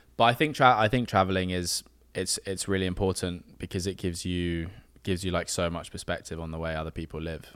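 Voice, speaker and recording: Very deep and low, a man's voice carries an English accent with ordinary pitch variation. He talks at a very fast pace. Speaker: guest, visiting the US, partner of the host. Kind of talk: casual chat.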